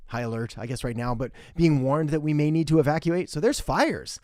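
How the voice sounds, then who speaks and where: This young marketing host speaks briskly in a rather high, slightly mellow voice during a casual live-stream Q&A from home in western Canada. He greets viewers by name and gives blunt, direct advice in a chatty way. Clean studio sound with no room sound.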